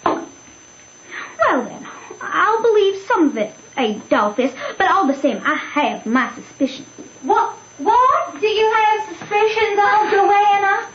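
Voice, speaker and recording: Trusting country girl, super high voice, echoey hissy old radio. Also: animated, takes it slowly, dull audio, heavily acted. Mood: curious, insistent. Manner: bright-eyed, insistent, questioning. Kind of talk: old-time radio drama acting.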